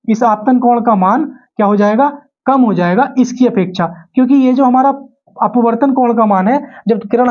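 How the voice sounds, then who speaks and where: Male teacher, mellow tone, repetitive question-and-answer delivery, lesson style, muffled lo-fi audio. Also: high voice. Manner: repetitive, asks questions and answers them himself. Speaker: physics teacher for exam coaching. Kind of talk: classroom lesson to camera. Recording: dull lo-fi audio.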